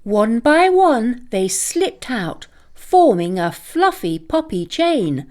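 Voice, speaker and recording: A woman reading a scripted children's story aloud as a dramatic, expressive storyteller. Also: fairly high pitch, slow pace.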